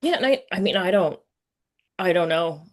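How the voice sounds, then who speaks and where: Low-pitched woman, rambling and informal. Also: expressive, normal speed. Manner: rambling, self-interrupting, informal. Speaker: podcast host, interviewer. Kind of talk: casual chat.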